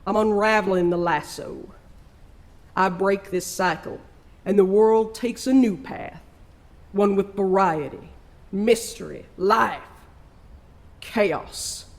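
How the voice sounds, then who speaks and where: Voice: mid-range voice, takes it slowly, pauses often. An actor of unclear sex playing an ancient, world-weary trickster spirit with a folksy, theatrical drawl in an audio drama. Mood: resolute. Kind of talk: scripted audio drama acting.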